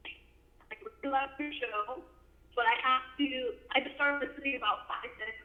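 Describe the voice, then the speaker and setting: Woman, caller, highish voice, fuzz-distorted tinny phone line, distant, polite and tentative. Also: fairly even intonation, normal speed. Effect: distorted phone line cutting in and out. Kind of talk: call-in phone conversation. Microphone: mobile phone while travelling.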